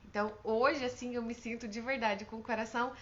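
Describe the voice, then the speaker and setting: Brazilian woman, earnest parenting coach, high bright voice, slightly dull lo-fi recording. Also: steady tone, brisk, slight background noise. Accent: Brazilian Portuguese. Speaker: parenting advice host, mother. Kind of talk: direct-to-camera advice talk.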